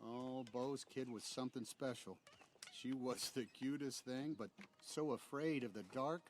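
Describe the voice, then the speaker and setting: A man playing an earnest, easily flustered cowboy rag-doll toy in an animated film, with an eager, stammering, pleading delivery. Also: medium pitch, unhurried, a little hiss or hum, close to an everyday voice. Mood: fond.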